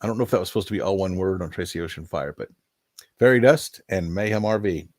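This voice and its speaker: Talking fast in a low-pitched voice, an older man hosts an easygoing live stream, slightly nasal from allergies. He rambles in a folksy style, chuckles through asides and names his viewers. Clean studio sound without room sound.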